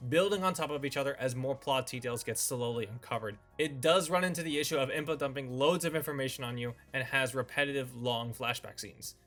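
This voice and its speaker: A man's voice: mid-range voice, fairly bright tone. A man presenting semi-scripted review commentary as the host of a video channel. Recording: voice-over with music behind.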